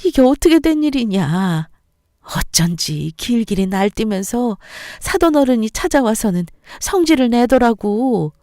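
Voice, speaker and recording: A hurt older mother laments and complains in a plaintive voice, as a woman reads her. The tone is warm and mellow. The sound is dry and close to the mic. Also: a little high, very animated, unhurried, no room sound, pitched above the performer's own voice. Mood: lamenting.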